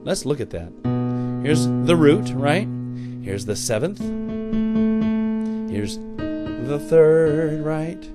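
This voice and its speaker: A man's voice: fairly high pitch, animated, extremely slow, long pauses. A man teaching a piano lesson in a casual, playful way, joking and exclaiming between chord demonstrations. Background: piano playing.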